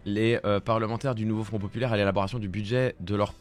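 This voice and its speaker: A man's voice: on the low side, fairly even intonation, fast talker, soft background music. A man giving casual, sarcastic political commentary on a live stream. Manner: sarcastic, mocking asides.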